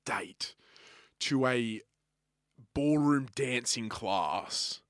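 A man's voice: mid-range voice, drawn-out words, a bit bright, no room sound, clean studio sound. A young Australian man chatting casually as a podcast co-host, with blokey, sweary slang. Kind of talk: casual banter.

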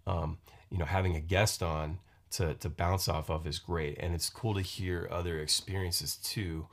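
Very deep-voiced man rambling on a podcast. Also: steady tone. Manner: rambling, halting, many restarts and fillers. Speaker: podcast host and musician. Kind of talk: casual solo podcast monologue. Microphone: podcast microphone.

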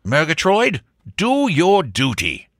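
Comic storybook baronet, played by a male narrator: aristocratic, exclamatory bluster, pitch leaping high, close dry sound. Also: huge pitch swings, slow pace, a bit bright, dry recording, full character voice. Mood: indignant, commanding. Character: blustering, red-faced old baronet, indignant then effusive.

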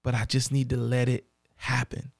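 A man with a raspy voice and a dry throat, hosting a podcast and speaking earnestly and directly to the listener. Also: medium pitch, completely flat delivery, moderate pace, dry recording. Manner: earnest, repeats key phrases, addresses listener directly. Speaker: podcast host. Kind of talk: motivational podcast monologue.

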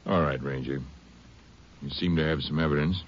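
An actor playing an evasive, gruff small-town county attorney in a 1950s radio drama on a noisy old recording. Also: male voice, extremely low pitch, normal speed, lo-fi sound. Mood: defensive, wary.

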